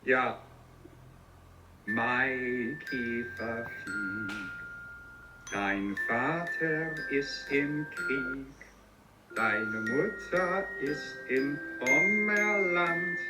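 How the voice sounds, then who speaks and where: A man playing a deadpan grandpa who sings grim German lullabies in a comedy sketch. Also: mid-range voice, drawn-out words. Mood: gentle, deadpan. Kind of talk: slow nursery singing in a comedy sketch. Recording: loud music over sketch clip.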